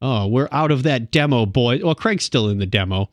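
A man's voice: mid-range voice, expressive, moderate pace, dry recording, studio quality. A man co-hosting a casual podcast, reading news items with a playful, laughing delivery. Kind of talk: casual chat.

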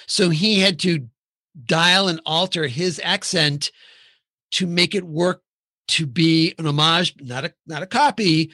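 A man with a fairly high, bright, forceful voice leads a relaxed film discussion. He steers between topics and thinks out loud, often restarting his sentences. The recording is dry and close. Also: unhurried, dry recording.

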